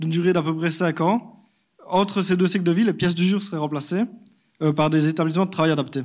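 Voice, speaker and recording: A man talks at a fairly quick pace. His pitch is high and his intonation fairly even. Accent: Liège. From Belgium, Liège. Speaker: student entrepreneur. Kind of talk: pitch presentation; Q&A answers. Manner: hesitant, many fillers.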